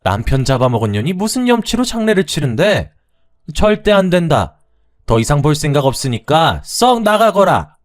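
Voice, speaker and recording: A man voicing a harsh, scornful older mother-in-law who yells insults, in a radio story. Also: big pitch swings, moderate pace. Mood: scornful yelling. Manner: shrill, yelling insults.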